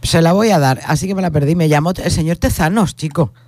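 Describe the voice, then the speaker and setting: A woman's voice: deep voice, fast, darkish tone, no room sound. A woman with an accent from Spain chatting casually and wryly as a contributor on a radio show. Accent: Spanish from Spain. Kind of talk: casual chat.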